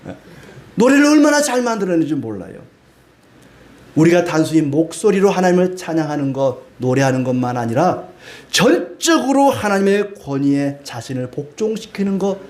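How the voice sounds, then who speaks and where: A man's voice: sits high, very animated, normal speed, a little mellow. A middle-aged male pastor from Korea, preaching a sermon with homey stories and acted-out quotes.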